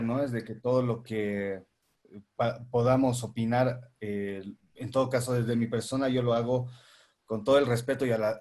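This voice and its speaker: A filmmaker and teacher, speaking on a panel in a thoughtful, halting way with many fillers and restarts. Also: male voice, medium pitch, a little mellow. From Bolivia.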